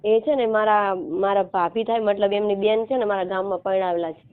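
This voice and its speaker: A woman in her thirties from Gujarat with a Gujarati accent, explaining haltingly and repetitively as a caller seeking help. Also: mid-range voice, fairly even intonation, clean tone. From Gujarat, India. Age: 30s. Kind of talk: casual phone conversation. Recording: narrow, muffled phone-call line.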